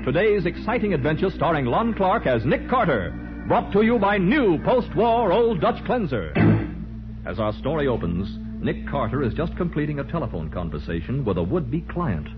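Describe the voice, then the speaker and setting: A man's voice: on the high side, big pitch swings, moderate pace, highs cut off, music in the background. A male radio announcer with grand, emphatic scripted delivery in 1940s style, on an old radio recording.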